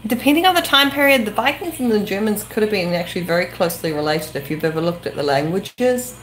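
A woman's voice: mid-range voice, expressive, fast, a bit bright, a little hiss or hum, poor audio. A woman from New Zealand with a New Zealand accent and a slight English tinge, reading viewer comments aloud off camera and stumbling over foreign names. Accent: New Zealand with some English influence. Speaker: co-host reading viewer chat. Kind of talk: casual live-stream chat. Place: same small room, off camera behind the camera.

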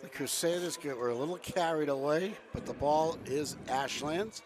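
A man doing play-by-play for a local TV broadcast of a high school football game, excitable and shouting on big plays. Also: moderate pace. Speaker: play-by-play announcer.

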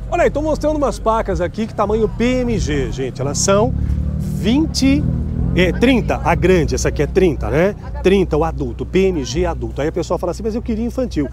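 Lively high-voiced man selling. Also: fairly quick, over music. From Brazil. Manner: chatty and promotional, keeps asking vendors prices. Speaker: shopping vlogger touring a street market. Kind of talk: upbeat sales walkthrough. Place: outdoor city street market at night.

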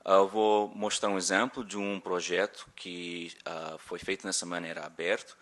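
A man in his thirties with an American accent, giving a conference talk in a hall at a table microphone, halting and searching for words with self-deprecating humor. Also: deep voice, flat delivery, fairly bright tone. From born in Rio, raised in Chicago. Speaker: conference speaker. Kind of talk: conference presentation.

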